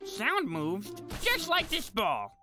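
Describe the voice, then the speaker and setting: A performer voicing an excitable little know-it-all forest animal in a children's cartoon, emphatic and instructive. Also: medium pitch, slow. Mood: explaining. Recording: prominent children's music behind voice.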